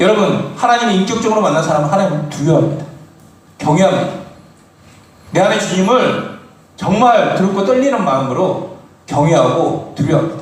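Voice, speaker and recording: Speaking at a fairly quick pace with long, frequent pauses, this man has a high voice, ordinary pitch variation and very even loudness. The recording carries audible room echo and noticeable background noise. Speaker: pastor. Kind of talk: sermon. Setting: church. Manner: gets louder with emphasis.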